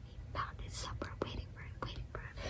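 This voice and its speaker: A woman whispers over noticeable background noise. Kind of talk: ASMR bedtime story reading. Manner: soft-spoken, whispered, relaxing.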